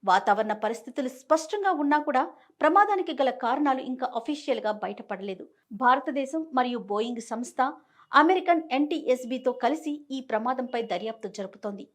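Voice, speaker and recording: A woman's voice: sits high, animated, moderate pace. A woman presenting news as a scripted narration.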